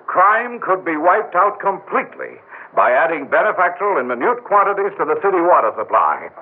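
A man's voice: on the high side, very animated, moderate pace. An actor playing an earnest, driven scientist in a 1960s radio drama, who pleads his case with intensity. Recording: tinny old radio broadcast.

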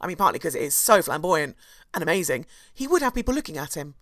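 A hoarse woman, co-hosting a podcast and chattily telling a history story, with asides and restarts. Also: low-pitched, very animated, quick pace, fairly bright tone, dry recording. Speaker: podcast co-host. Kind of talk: casual chat, storytelling history.

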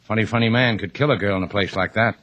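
An actor playing a tough, laconic American adventurer, wry and world-weary, in a vintage radio drama. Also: male voice, on the low side, fast, a bit bright. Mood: wry, urgent. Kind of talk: 1950s radio drama acting. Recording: noisy vintage 1950s radio recording.

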